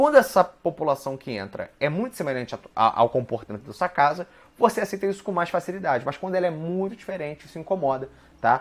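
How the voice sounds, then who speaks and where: Speaking at a very fast pace, a man uses a high pitch with very wide pitch swings. His loudness also swings a lot. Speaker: school teacher. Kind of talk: recorded lesson. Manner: hesitant fillers.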